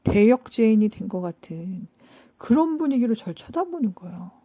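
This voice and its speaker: A woman hosting a spiritual talk, telling an anecdote in a casual, animated way, acting out quoted lines and asking the listeners rhetorical questions. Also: fairly high pitch, normal speed. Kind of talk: casual storytelling lecture.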